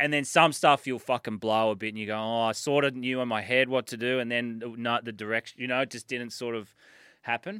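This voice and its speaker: A man with an Australian accent at a fairly quick pace and medium pitch, bright, sharp tone and fairly even intonation, in a very clean recording with a silent background and a dry, close sound with no echo. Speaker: comedian and electrician. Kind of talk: casual chat. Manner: laid-back, halting; distinctive way of speaking.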